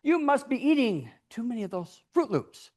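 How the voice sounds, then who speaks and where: A man's voice: very high-pitched, very animated, moderate pace, a little mellow, pitched above the performer's own voice, full character voice. A man voicing a fussy, scolding grown woman, a mother or teacher, in a storytelling speech, pointed and sing-song. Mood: teasing reproach.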